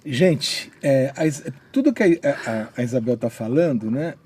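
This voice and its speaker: Male host, mid pitch, mellow tone, hesitant and enthusiastic. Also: expressive, moderate pace, slightly rough. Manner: hesitant, filler-heavy enthusiasm. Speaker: interviewer, host. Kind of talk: casual interview.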